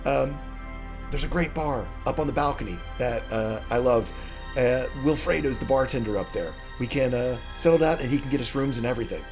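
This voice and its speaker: A man's voice: medium pitch, fairly quick, music in the background, lightly acted. A man voicing a friendly local woman who leads her companions to her favorite bar. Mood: inviting.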